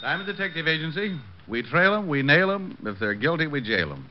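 Sardonic radio detective, lively intonation, wisecracking, lo-fi old radio sound. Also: male voice, on the high side, fairly quick, very noisy. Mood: wry. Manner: dry, sarcastic quips. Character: wisecracking male private detective, adult. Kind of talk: 1950s radio drama acting. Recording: dull lo-fi old radio transcription.

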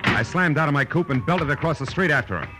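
An actor playing a tough, wisecracking private eye in a 1940s radio detective drama, brisk and commanding. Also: male voice, on the high side, animated, music in the background, lightly acted. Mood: tense narration.

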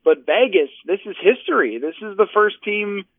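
A man's voice: high-pitched, expressive, moderate pace, dry recording. Sarcastic man on a tinny phone line. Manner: dry, sarcastic, with rambling restarts. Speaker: sports writer and analyst, guest. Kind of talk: casual interview chat.

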